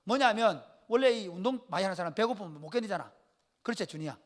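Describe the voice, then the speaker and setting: A man's voice: high-pitched, fast. A man preaching a sermon with a Gyeongsang Korean accent, telling stories in a casual, joking way and calling on listeners by name. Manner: lively storytelling, calls on listeners by name; colloquial, jokes with the congregation. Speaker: pastor.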